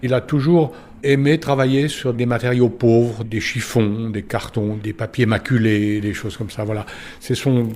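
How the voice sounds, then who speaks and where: A man with a medium-pitched voice comments on art without a script. He explains in a measured, considered way, setting out details in short phrases with pauses between them. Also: steady tone, a little mellow.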